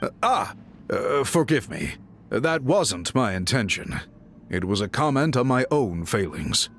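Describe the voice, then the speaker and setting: A man's voice: medium pitch, sing-song, unhurried, a bit bright, a little hiss or hum. A man playing a courteous, dutiful tribal chief in a video game, speaking formally and with deference. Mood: apologetic. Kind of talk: scripted game dialogue.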